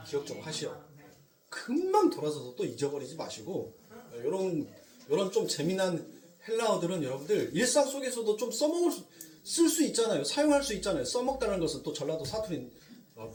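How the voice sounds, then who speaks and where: Animated preacher with a Jeolla accent. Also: male voice, fairly high pitch, roomy sound, far from the mic. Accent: Jeolla Korean. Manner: animated, swings from loud emphasis to near whispers. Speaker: pastor. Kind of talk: sermon. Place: church sanctuary.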